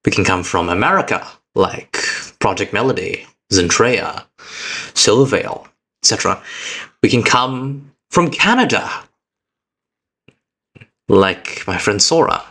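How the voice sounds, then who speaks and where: Earnest low-voiced man, bright tone. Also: lively intonation, husky. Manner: earnest, reflective, uneven pace with halting restarts. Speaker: VTuber streamer. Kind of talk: heartfelt personal speech to stream chat.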